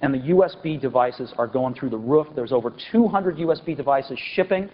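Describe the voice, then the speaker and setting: A man in his forties giving an enthusiastic product launch keynote on a large auditorium stage, pausing for effect and stressing key words. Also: medium pitch. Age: 40s. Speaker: company executive presenting a product keynote. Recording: dull lo-fi 1999 event recording with faint hiss.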